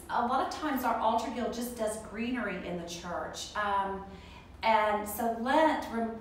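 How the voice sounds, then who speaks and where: An older woman hosting a children's story time, speaking in a gentle, deliberate way for young listeners. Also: on the high side, slight background noise, low-quality recording. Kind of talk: children's story time, picture book read-aloud. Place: furnished room in a church building.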